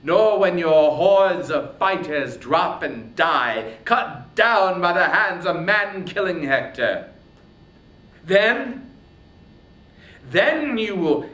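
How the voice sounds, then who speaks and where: Man acting wrathful warrior hero, high swooping voice, declamatory, drawn-out words, epic poem, echoey room. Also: animated, a bit bright, exaggerated voice. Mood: vengeful, threatening. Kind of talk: dramatic epic poetry reading. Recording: roomy echo, faint rumbling noise.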